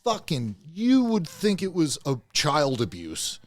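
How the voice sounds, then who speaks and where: A middle-aged man talking loudly and passionately, with plenty of swearing, as a guest in a casual podcast chat. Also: on the high side, huge pitch swings, slow pace, no echo. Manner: loud, passionate, profane, emphatic.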